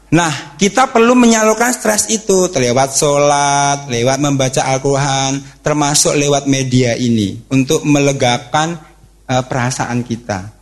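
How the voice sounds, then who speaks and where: A man gives a religious talk to teens and their parents. His voice sits a little high and swings widely as he asks the room questions. He talks in a lively, way. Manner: animated, acts out quotes and cheers, asks the audience questions. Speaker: youth counselor giving a talk.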